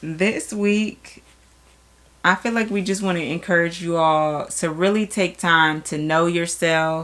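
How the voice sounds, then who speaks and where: Her voice an ordinary speaking voice, a woman talks at a fairly slow pace and fairly low pitch with fairly even intonation. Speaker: podcast co-host. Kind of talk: casual chat.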